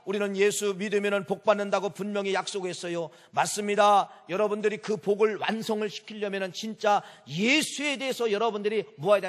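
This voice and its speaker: A male pastor with a high-pitched voice preaches emphatically, repeating key phrases and posing questions to the congregation. A long reverb tail trails his words.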